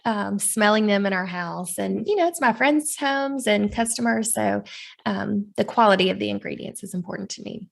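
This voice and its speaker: A woman's voice: medium pitch, moderate pace, creaky. A woman in her thirties, a candle maker, talking casually in an interview with lots of fillers and easy laughs. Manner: chatty, friendly, frequent fillers and laughs.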